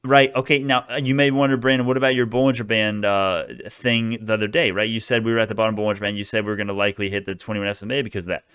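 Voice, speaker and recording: Male retail-trader host, crypto-bro swagger, quick and informal, clean smooth voice for off-the-cuff market commentary. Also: on the low side, little pitch movement, a bit bright, no room sound, clean studio sound. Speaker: stock video host. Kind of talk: casual stock market commentary.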